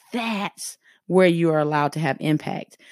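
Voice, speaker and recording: With a strong Southern US accent and an animated tone, a woman speaks with ordinary pitch variation, on a very clean recording with a silent background and a dry, close sound with no echo. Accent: heavy Southern US. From US South. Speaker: podcast host, psychologist. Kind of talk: motivational monologue.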